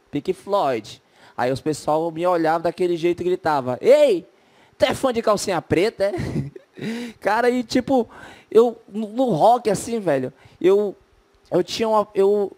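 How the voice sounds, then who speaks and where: Self-mocking young comic. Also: male voice, high voice, darkish tone. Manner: self-mocking, chatty, full of "né" and "sabe". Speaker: stand-up comedian contestant. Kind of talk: stand-up comedy set.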